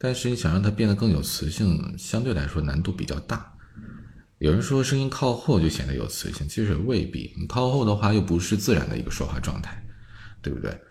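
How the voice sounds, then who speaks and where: A man's very deep, low voice with very wide pitch swings at a fairly quick pace, with audible room echo. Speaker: radio DJ hosting live audio stream. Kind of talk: casual live-stream chat. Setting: live audio stream.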